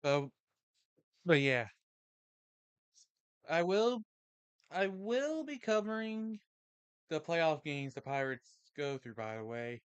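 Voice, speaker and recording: Smooth-voiced man chatting casually. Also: fairly high pitch, sing-song, slow pace, long pauses, dry recording, muffled recording. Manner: rambling, thinks aloud, repeats himself. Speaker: sports commentator. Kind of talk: casual stream chat.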